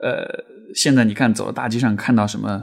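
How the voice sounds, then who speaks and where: Very clean audio of a man at a moderate pace, the background silent. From Chengdu, Sichuan. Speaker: podcast host. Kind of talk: advice monologue. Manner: hesitant with frequent fillers.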